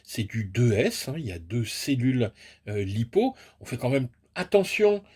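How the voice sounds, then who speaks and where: A man's voice: medium pitch, very animated, moderate pace, a little mellow, slight background noise. A man giving a chatty, self-mocking unboxing review of a remote-control car, explaining each step as he goes. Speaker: toy and hobby product reviewer.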